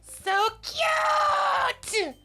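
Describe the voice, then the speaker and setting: A bubbly teenage schoolgirl squeals in a high, excited voice, with a man putting her on. Her pitch leaps all over the place as she gushes. The voice is bright and sharp. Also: drawn-out words, gravelly, faint music behind, full character voice.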